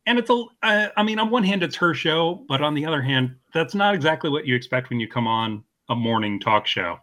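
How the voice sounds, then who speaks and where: Bright-toned laid-back man. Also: fairly high pitch, a little fast. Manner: relaxed, agreeable, laughing. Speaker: podcast co-host. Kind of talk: casual comedy discussion.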